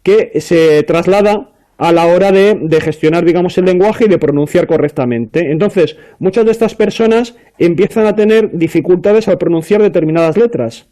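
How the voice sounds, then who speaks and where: Panelist, man, high voice, mellow tone, chatty and explanatory. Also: moderate pace. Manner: explanatory, many fillers and restarts. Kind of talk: casual panel discussion.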